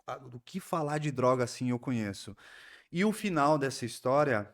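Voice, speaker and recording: Um homem, convidado de um podcast, conta com seriedade e reflexão sua história de recuperação, com sotaque do interior paulista e muitas pausas e recomeços. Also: male voice, medium pitch, animated. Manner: earnest, reflective storytelling with frequent restarts. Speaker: psychoanalyst guest. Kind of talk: personal recovery story in a podcast interview.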